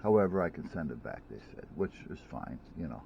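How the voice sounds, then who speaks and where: A low-voiced man rambles through a casual gadget chat at home, restarting sentences and piling on fillers. The recording sounds a little dull, with a faint hiss underneath. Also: big pitch swings, quick pace, creaky. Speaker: vlogger reviewing gadgets.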